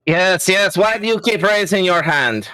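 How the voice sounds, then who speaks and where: A man's voice: sits high, animated, moderate pace, sharp tone, clean tone, no room sound, soft background music. A man talking in a tabletop role-playing game as a player. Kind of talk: tabletop role-play chat.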